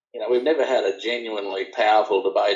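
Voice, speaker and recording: Someone talks at a very fast pace with an Australian accent. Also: man. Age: 70s. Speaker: innovation thought leader and author. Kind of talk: interview. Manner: halting.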